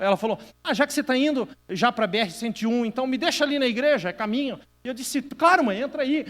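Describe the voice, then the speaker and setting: A middle-aged Brazilian man preaching a sermon as pastor, telling a personal story in an animated way that swings between loud bursts and hushed asides. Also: sits high. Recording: long reverb of a church hall.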